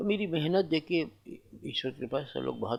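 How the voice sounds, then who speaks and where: A man's lively intonation carries a thread of vocal fry. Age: 70s. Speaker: Kathak dancer. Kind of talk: interview answer. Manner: humble, candid.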